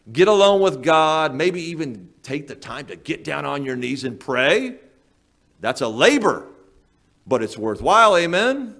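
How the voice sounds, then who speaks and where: A man preaching from the pulpit in a bright, slightly high voice that swings widely up and down. He talks straight to the congregation, folksy and emphatic, piling up rhetorical questions. His tone is that of a pastor pressing a point home. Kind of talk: sermon. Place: church sanctuary.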